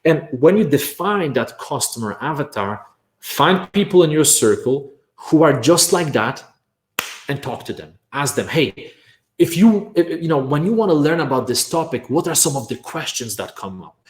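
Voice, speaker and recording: In a reverberant space, a man from Poland who grew up speaking Polish presents an energetic online workshop on building courses. His voice runs on the high side at normal speed, and he emphasizes ideas with "right?" and frequent "bam"s.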